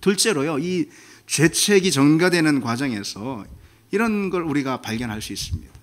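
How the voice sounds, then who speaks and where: Animated Korean pastor preaching, lively pitch. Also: male voice, moderate pace. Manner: animated, acts out God's anguished questions in a raised voice; conversational, asks the congregation questions. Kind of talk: sermon.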